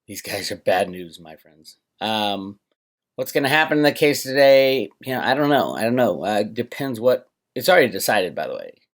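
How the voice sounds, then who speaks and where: A man with a lowish voice hosts a financial commentary vlog, addressing viewers casually and emphatically with opinionated asides and rhetorical questions.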